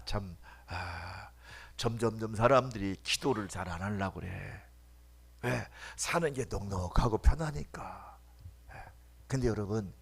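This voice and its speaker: A middle-aged male pastor preaching a sermon, dropping to hushed murmurs and then shouting calls at the congregation, acting out the voices he quotes. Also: fairly low pitch. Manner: acts out quoted voices and drills the congregation with questions.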